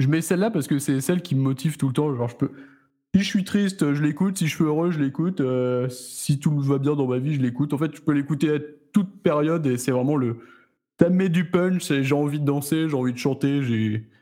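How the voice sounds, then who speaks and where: Music plays in the background. A man speaks fairly quickly at a fairly high pitch. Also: ordinary pitch variation. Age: 20s. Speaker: industrial draftsman and guitarist, podcast co-host. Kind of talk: casual chat.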